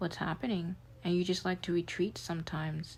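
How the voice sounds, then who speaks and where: A woman's somewhat breathy, fairly low voice with monotone, flat intonation. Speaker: tarot reader. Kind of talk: pick-a-card tarot reading. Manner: slow.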